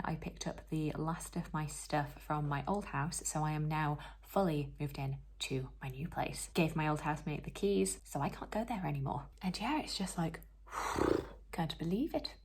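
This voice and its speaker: Young woman, low husky voice, casual vlog chat, rambling, self-deprecating. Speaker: book vlogger.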